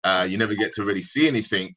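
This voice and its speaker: A man's voice: fairly low pitch, very fast, dull audio. A man with a British accent, a guest telling his story casually on a video call, often restarting his sentences. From United Kingdom. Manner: relaxed, conversational with frequent restarts.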